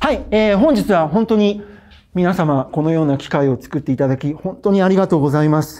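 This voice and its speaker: The man's voice has a dark, mellow tone. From Tokyo, Japan. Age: 40s. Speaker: idol producer, entrepreneur. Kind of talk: business pitch. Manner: lively, upbeat; hesitant with fillers. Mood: polite, grateful in closing. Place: studio.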